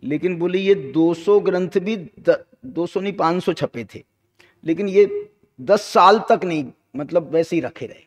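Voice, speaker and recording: Man teaching scripture in a reverberant hall. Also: high voice. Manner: chants verses slowly, jokes with listeners. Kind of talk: Jain scripture discourse. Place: ashram hall.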